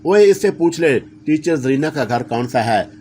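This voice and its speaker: A man's voice: fairly high pitch, lively intonation, a little slow, darkish tone, a little hiss or hum. A hot-tempered, stubborn schoolboy in a spoken horror story, protesting in a lifted, defiant voice, as a male narrator plays his younger self. He keeps insisting he did nothing wrong.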